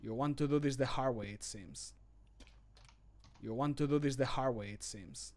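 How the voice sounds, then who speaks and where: A man voicing a stern, authoritative guard from a fantasy game, speaking in a measured, commanding way. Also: mid-range voice, a little mellow, natural voice. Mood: somber.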